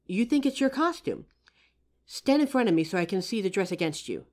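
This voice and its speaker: A woman playing a kind, playful psychic who gently helps a ghost in an audio roleplay. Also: mid-range voice, very animated, a little fast, lightly acted. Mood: helpful, chatty. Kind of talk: audio roleplay addressed to the listener.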